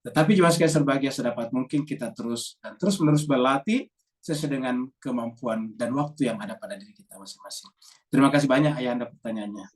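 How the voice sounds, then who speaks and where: A man, an Islamic teacher, giving a religious lecture to a congregation and explaining things patiently, often repeating key words and adding a drawn-out "ya". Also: medium pitch, recorded from a distance.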